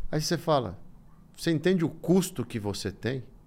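Speaking at a moderate pace, a man uses very wide pitch swings. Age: 40s. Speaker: investment expert. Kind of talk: casual chat. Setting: studio.

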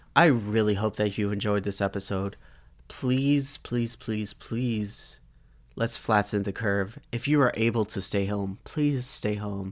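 A man's ordinary speaking voice, fairly low in pitch, fairly slow and fairly even in intonation, on a very clean recording with a silent background. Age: 20s. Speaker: podcast host and film student. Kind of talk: solo podcast monologue. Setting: recording at parents' home. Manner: casual with many fillers.

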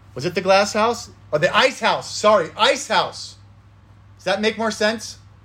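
In an American accent, a man uses a raised, projected voice with a high pitch and a bright, sharp tone. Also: ordinary pitch variation, moderate pace. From Thousand Oaks, Southern California. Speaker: music video director and musician. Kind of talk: casual interview chat.

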